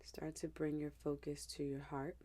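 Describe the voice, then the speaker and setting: A woman guiding a Christian meditation in a hushed, gentle, unhurried manner with pauses. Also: low-pitched, level tone. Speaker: meditation guide. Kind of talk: Christian guided meditation, soothing narration.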